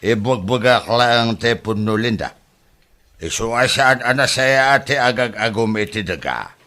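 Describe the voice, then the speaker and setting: A man's voice: medium pitch, expressive, unhurried, pushed and bright. A man with an Ilocano accent playing a grown son who lectures and scolds his family in a comedy drama. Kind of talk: scripted drama acting.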